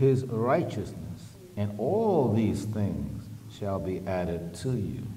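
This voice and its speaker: A man talks at a fairly low pitch. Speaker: pastor / church minister. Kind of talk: sermon / Bible teaching to a congregation. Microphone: podium.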